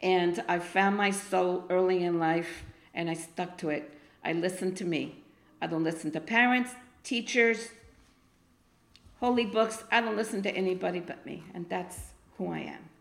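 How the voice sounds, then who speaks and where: Middle-aged argentine-born woman, blunt and emphatic, low-ish voice, roomy echo. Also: moderate pace, gravelly. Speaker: guest poet. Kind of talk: casual interview chat. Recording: echoey room.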